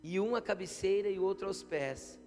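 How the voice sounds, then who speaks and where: A man's voice: high voice, moderate pace, darkish tone. A man preaching a sermon, putting frequent rhetorical questions to the congregation. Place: church hall. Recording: long church hall reverb, faint guitar.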